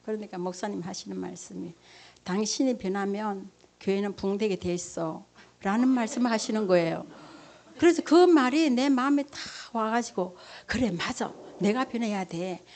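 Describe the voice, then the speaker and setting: A woman's voice: medium pitch, normal speed, a little mellow. A middle-aged woman, a pastor's wife, giving an emotional sermon testimony and acting out her own prayers and conversations.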